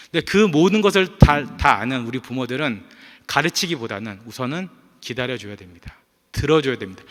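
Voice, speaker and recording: A male pastor preaching a sermon in a church, telling personal stories in a calm, earnest way with frequent "uh" fillers. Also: mid-range voice. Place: church sanctuary. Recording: reverberant church hall.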